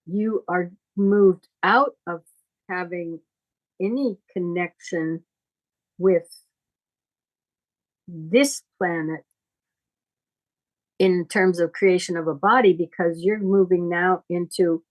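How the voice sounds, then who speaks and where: A middle-aged woman teaching informally in conversation, explaining things in a halting, deliberate, reflective way. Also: fairly low pitch, fairly even intonation, rough recording. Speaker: astrology teacher.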